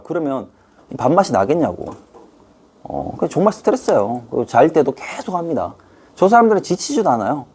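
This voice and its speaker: Playful husky man teaching history. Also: mid-range voice, a little mellow. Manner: playful, acts out scenes in quick put-on voices. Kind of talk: lively online history lesson.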